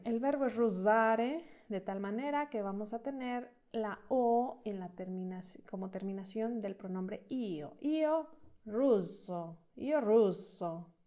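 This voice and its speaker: A woman's voice: a little high, warm tone. A woman teaching an online Italian lesson, patiently drilling verb forms. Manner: slow, patient drilling of conjugations.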